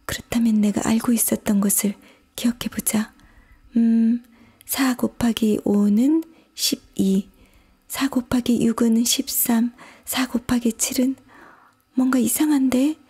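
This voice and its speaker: A woman's voice: on the high side, fairly even intonation, unhurried, warm tone, pitched above the performer's own voice. Alice, a woman whispering as a puzzled little girl. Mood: bewildered. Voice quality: breathy whisper. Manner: bewildered, questioning herself aloud. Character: curious puzzled little girl, easily upset. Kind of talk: whispered role-play.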